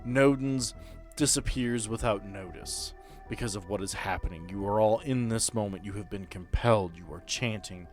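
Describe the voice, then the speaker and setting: A man narrating a tabletop role-playing game as game master, telling it dramatically in short, deliberate phrases. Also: fairly low pitch, soft background music.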